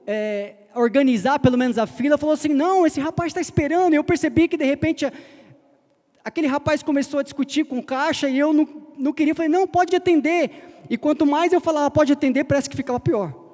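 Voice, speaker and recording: Pastor guy telling a story in his sermon, really high voice, long echo. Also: fast talker, darkish tone. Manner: conversational, retells a personal story acting out short quotes. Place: church hall. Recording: long hall reverb.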